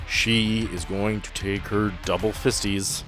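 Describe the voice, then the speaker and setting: A man's voice: on the low side, little pitch movement, measured pace, music in the background. A man acting as game master, narrating and refereeing a tabletop game in a casual, explanatory way with vivid descriptions.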